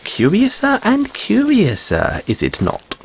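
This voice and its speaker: A man's voice: sits high, wildly swooping pitch, takes it slowly, vocal fry, slight background noise, exaggerated voice. A man voicing a curious, fussy white rabbit boy in a fantasy audio roleplay, musing theatrically with quaint, questioning phrasing. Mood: pondering, theatrical.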